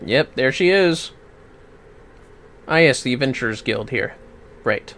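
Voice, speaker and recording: Animated, sweary male game streamer. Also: medium pitch, unhurried, a little hiss or hum. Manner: casual, sweary, reactive. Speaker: game livestreamer. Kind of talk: casual livestream chat.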